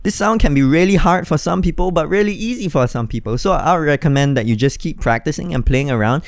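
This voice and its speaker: A man's voice: fairly high pitch, expressive, fast talker, a little hiss or hum. A man teaching beatbox step by step in an encouraging, instructional way. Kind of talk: step-by-step tutorial.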